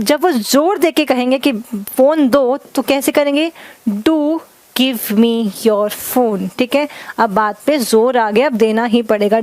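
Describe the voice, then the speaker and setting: Fairly high-voiced woman teaching grammar. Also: no echo. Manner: explains slowly with many checks of understanding; mixes Hindi and English. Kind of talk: classroom lesson.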